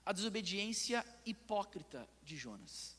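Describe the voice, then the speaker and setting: A man with a Brazilian Portuguese accent preaching a sermon in church as pastor, swinging between loud and hushed and putting pointed questions to the listeners. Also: high voice, very animated, a little slow, breathy edge, in a large hall. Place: church sanctuary.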